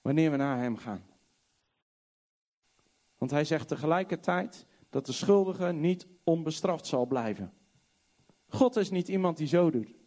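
A man preaching a sermon, reading scripture slowly and swinging from loud, high exclamations to hushed, low tones. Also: expressive. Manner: reads scripture aloud slowly and emphatically.

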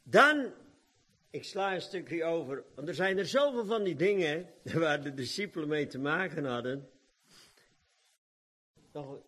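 Animated preacher with a high voice. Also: male voice. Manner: animated, acts out quoted dialogue, laughs often. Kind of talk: lively sermon retelling gospel scenes.

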